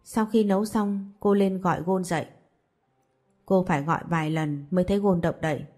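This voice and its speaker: A woman narrating a scripted story in an even, steady reading voice. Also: on the low side, brisk.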